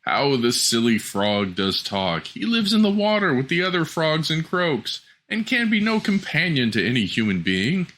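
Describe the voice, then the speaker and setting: A man's voice: a little high, big pitch swings, normal speed, few pauses, a bit bright, pitched above the performer's own voice. A man voicing a spoiled, dainty young princess in a fairy tale, plaintive and disdainful. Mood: scornful.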